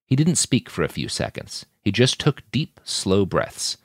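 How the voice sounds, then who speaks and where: Low-voiced male audiobook narrator. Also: big pitch swings, measured pace, dry recording, studio quality.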